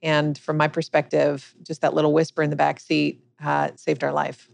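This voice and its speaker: Gravelly-voiced woman telling a story. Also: sits low, monotone, normal speed. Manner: earnest, reflective storytelling. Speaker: guest, business coach and author. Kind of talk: podcast interview storytelling.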